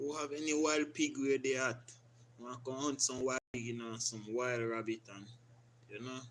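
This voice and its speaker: At a moderate pace, a man speaks with medium pitch and fairly even intonation, though his loudness swings widely. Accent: Jamaican. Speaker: cooking channel chef. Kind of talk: casual livestream chat. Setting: live stream from home.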